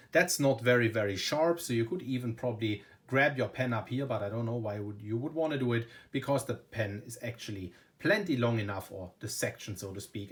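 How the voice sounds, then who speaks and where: A German man speaking English with a German accent, chatting casually and with enthusiasm as he reviews a pen at his desk. He keeps stacking up "very, very" and "you know" in a relaxed, unscripted way. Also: medium pitch. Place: indoors at a desk.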